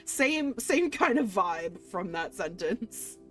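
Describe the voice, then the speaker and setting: Female streamer, mid-pitched, narrating a visual novel with expressive, excitable commentary over faint background music. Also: slow pace. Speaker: game streamer reading a visual novel aloud. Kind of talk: expressive read-aloud mixed with casual reactions.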